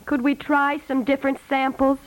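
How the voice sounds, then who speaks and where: High-pitched fussy housewife played by an actress. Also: female voice, flat delivery, moderate pace, natural voice, low-quality recording. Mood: hesitant, particular. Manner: dithering, particular, over-explaining. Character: fussy, insistent housewife choosing paint colors. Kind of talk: 1950s radio comedy acting. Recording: vintage 1950s radio recording.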